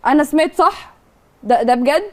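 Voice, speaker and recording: A woman's voice: sits high, a little fast. A young Egyptian woman on a TV studio set, insistently confronting her fiancé, repeating her demands and raising her voice. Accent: Egyptian Arabic. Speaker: fiancée on a prank show.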